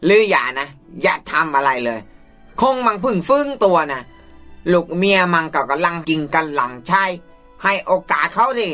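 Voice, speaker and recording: An actor playing a blunt, coarse-spoken friend who pleads for others to get a second chance. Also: male voice, on the high side, lively intonation, moderate pace, bright, forceful tone, faint music behind. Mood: pleading.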